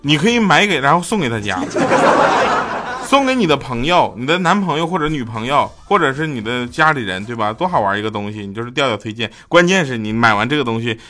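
A man's voice: mid-range voice, expressive, fast, a little hiss or hum. Playful man with a Northeastern Chinese accent. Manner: playful, often laughing. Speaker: comedy podcast host. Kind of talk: casual comic chat reading listener messages and telling jokes. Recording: loud background music. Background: music.

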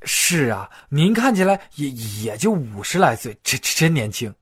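A man's voice: medium pitch, big pitch swings, normal speed, slightly rough, voice pushed down. A man voicing a clumsy, tactless young man who stammers and repeats his words. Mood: flustered.

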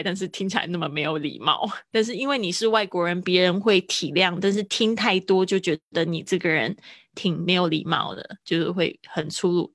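Lowish-voiced woman teaching English phrases. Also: fairly bright tone, no echo, studio quality. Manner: explains patiently, repeats English phrases slowly and clearly; casual asides with fillers and small laughs. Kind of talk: livestream language lesson.

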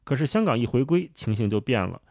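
A man's voice: medium pitch, very animated, fast, darkish tone, dry recording, clean studio sound. A man co-hosting a book podcast, casually introducing and reading a chapter opening. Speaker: podcast co-host.

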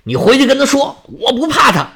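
A man's voice: high-pitched, wildly swooping pitch, normal speed, a bit bright, slightly rough, exaggerated voice. A man voicing an aggrieved, boastful older sea god who grumbles about being bullied and blusters in defiance. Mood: defiant.

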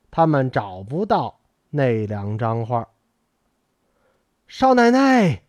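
A male narrator reads a novel with slow, measured, expressive storytelling. His pitch sits somewhat high and moves a lot. The recording is dry and close-miked. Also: dry recording. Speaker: audiobook narrator. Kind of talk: novel reading.

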